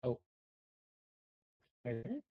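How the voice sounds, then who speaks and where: Man on a choppy, cutting-out call. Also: phone-quality sound. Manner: halting, hesitant speech with restarts. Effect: choppy video-call audio cutting out. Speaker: software developer in a team meeting. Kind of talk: casual work meeting on a video call. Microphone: video call.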